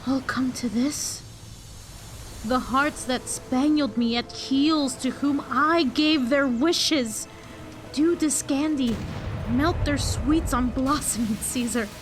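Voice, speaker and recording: High-voiced, betrayed Antony played by a woman. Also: slow, music in the background. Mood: bitter despair. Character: proud betrayed Roman general Antony, passionate and bitter. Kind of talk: Shakespearean audio drama acting.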